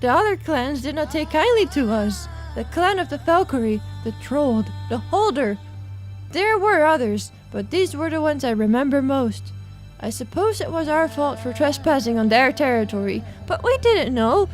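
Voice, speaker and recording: A woman voicing a courteous, gentle lady healer in a fantasy game, speaking in a polite, formal, measured way. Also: high voice, sing-song, soft background music, voice pushed down. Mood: solemn.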